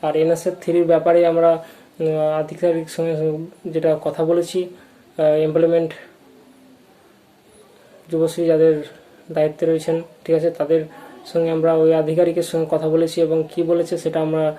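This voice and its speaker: A presenter with a West Bengal accent giving an informal update to viewers as a channel host, halting and repetitive like someone new to presenting. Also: medium pitch, completely flat delivery, warm tone, rough recording.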